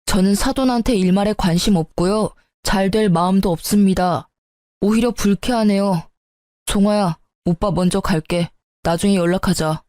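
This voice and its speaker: A woman voicing a calm, offended older brother in a story radio drama, speaking coolly and curtly. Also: mid-range voice, moderate pace, dry recording, clean studio sound, close to an everyday voice. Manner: cool, curt.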